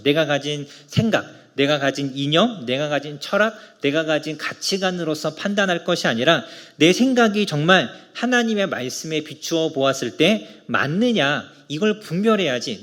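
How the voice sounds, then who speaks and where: Middle-aged male pastor, somewhat high voice, earnest conversational sermon in a church. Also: a bit bright. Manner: earnest, conversational preaching with rhetorical questions. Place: church sanctuary.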